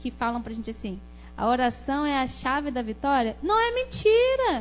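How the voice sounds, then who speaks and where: A woman with a Brazilian accent and very wide pitch swings. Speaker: church worker preaching at youth service. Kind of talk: sermon. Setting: church.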